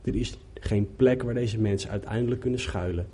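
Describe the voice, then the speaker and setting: Earnest male preacher with a husky voice. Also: on the low side, brisk, warm tone. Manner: earnest, emphatic, repeats phrases. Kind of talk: sermon.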